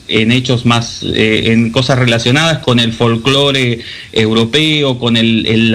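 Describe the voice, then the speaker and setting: A man, a musician answering interview questions in a relaxed, rambling way with many restarts. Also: mid-range voice. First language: Spanish. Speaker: musician guest.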